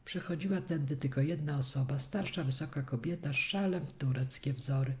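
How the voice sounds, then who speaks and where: A woman's voice: sits low, a little fast, a little mellow, natural voice. A woman reading as a plain-spoken male policeman. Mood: matter-of-fact. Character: plain, helpful male London street policeman.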